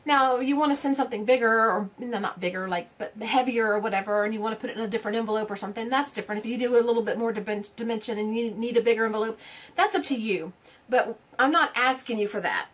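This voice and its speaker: Talking quickly in a fairly high, somewhat bright voice, this crafting vlogger in her 50s chats to camera. Her casual talk to her channel's viewers rambles, with lots of fillers and restarts.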